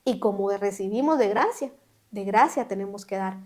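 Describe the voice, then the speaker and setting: A woman's voice: medium pitch, normal speed, a little mellow. A woman hosting a Christian podcast, retelling a parable and urging listeners earnestly, in a preacherly way. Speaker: podcast host.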